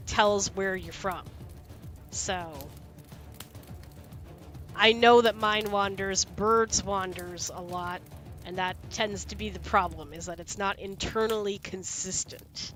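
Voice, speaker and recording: Chatty sick woman streamer, bright voice. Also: medium pitch. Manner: chatty, rambling, laughs easily. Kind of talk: casual chat with live viewers.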